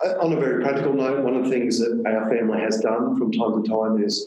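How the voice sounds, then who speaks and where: A man speaks with an Australian accent. His pitch sits in the middle range and rises and falls in an ordinary way. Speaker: theologian and author. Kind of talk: casual chat. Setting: recorded in one room with host.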